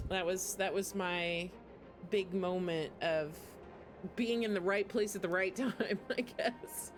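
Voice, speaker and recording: A woman game streamer with a rambling, giggly manner, chatting casually over gameplay. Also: medium pitch.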